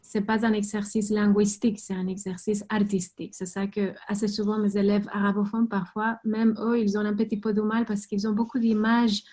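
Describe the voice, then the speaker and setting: A woman calligrapher answering questions on a video call, halting and often repeating words while she thinks. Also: mid-range voice, flat delivery, mellow. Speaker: guest calligrapher and teacher. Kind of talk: answering questions in an online talk.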